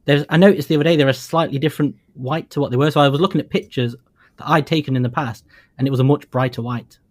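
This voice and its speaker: A man co-hosting a casual podcast chat, talking quickly and chattily. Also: mid-range voice, fairly even intonation. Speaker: podcast co-host.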